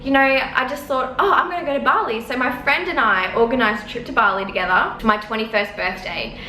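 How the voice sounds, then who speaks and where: Casting note: a woman in her twenties, a rambling vlogger with a bright voice on the high side, recorded in an echoey room. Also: brisk. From Australia. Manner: rambling and chatty, with many fillers and apologies. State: sore eyes from smoke. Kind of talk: casual storytelling to camera. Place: lounge room at home. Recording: echoey room, faint background noise.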